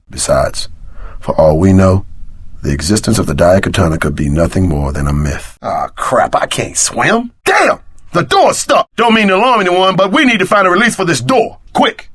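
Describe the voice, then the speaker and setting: A man playing a brash, loyal tough-guy sidekick in an action video game, with slangy, streetwise, expressive delivery. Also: sits low, slightly rough, no echo, studio quality. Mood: grave, thoughtful, then alarmed, urgent.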